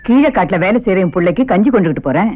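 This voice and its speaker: A woman's voice: mid-range voice, animated, very fast, lightly acted. A woman playing a devoted old village mother. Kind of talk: 1990s film drama acting. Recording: lo-fi film audio from afar with loud music.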